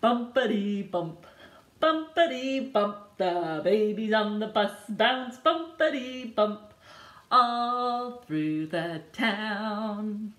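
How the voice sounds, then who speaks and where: A woman in her thirties, a children's librarian, singing a picture book for babies at home in a slow, bouncy sing-song with sound effects. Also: mid-range voice, lively intonation, a bit bright, reverberant. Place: living room with a couch and a decorated wall.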